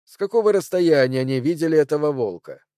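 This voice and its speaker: A man voicing a sharp, confident detective in an audiobook, speaking precisely and a little louder than his narration. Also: on the high side, expressive, fast, no echo, clean studio sound, pitched above the performer's own voice, natural voice. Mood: assured. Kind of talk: audiobook character voice.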